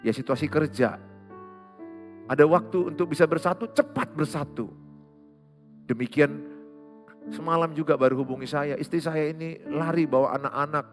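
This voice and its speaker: A man's voice: a little high, normal speed, pauses often. Emphatic male pastor in a reverberant hall. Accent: Indonesian, Medan. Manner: emphatic, swings from loud rebuke to quiet asides. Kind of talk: sermon. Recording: long hall reverb, faint music behind.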